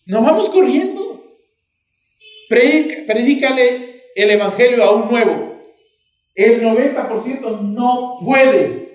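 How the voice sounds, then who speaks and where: A man with a Peruvian accent preaching a sermon as pastor, lively and acting out little dialogues as he talks. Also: very high-pitched, slow pace, pauses often. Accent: Peruvian Spanish. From Peru. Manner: animated, acts out dialogues with shifting voices. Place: church sanctuary. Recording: echoey church hall.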